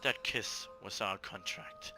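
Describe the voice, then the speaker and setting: Man voicing a haughty, cruel villainess over loud music. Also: fairly low pitch, takes it slowly. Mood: commanding, pleased. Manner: haughty, commanding. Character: proud, cruel, seductive female villain with eerie confidence. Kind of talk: amateur visual novel read-aloud.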